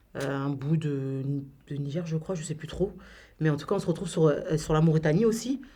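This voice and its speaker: Long, frequent pauses break up the speech. Between them, the pace is fairly quick. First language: Soninke (speaking French). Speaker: interviewee. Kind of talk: casual interview.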